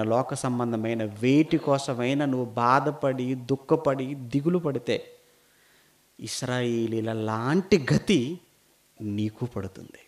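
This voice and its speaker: A man preaching a sermon, firing rhetorical questions at his listeners and swinging from loud emphasis to quiet, low lines. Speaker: pastor.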